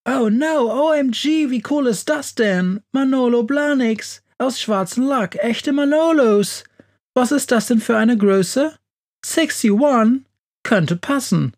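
A man voicing a big, hairy, soft-hearted male monster who loves fancy shoes, in a children's audio story. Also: sits high, normal speed, voice pushed up. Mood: thrilled. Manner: bashful, excitable, tearful.

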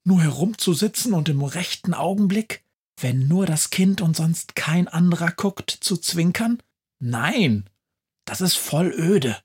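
A man voicing a scatterbrained, cheerful female Christmas witch in an audio storybook, talking in breathless, excitable bursts. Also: on the high side, measured pace, breathy edge, voice pushed up, heavily acted. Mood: excited. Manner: breathless, excitable, animated chatter. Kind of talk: storybook narration.

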